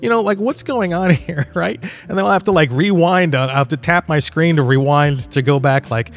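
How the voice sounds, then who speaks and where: A middle-aged man hosting a podcast in a casual, rambling monologue, with an informal, animated way of talking. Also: on the high side, normal speed. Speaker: podcast host.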